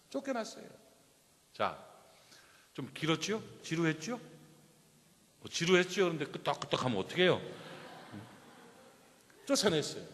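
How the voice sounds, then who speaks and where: A man's voice: a little high, slight background noise. A man preaching a Sunday sermon, telling a story and asking his congregation direct questions. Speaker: pastor. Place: church sanctuary. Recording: reverberant church hall.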